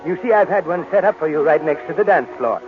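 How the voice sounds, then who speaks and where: A man's voice: on the high side, lively intonation, fast talker, lightly acted. Man as obliging head waiter, old radio. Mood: eager to please. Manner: eager, deferential. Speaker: radio drama actor. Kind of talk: 1940s American radio drama acting. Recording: muffled old radio recording. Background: music.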